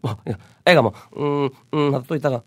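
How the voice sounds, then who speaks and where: A man from Busan co-hosting a casual talk show, telling stories with animated, acted-out quotes. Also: medium pitch, moderate pace, no room sound, clean studio sound. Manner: animated storytelling, acting out loud quotes. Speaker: podcast co-host. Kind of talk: casual chat.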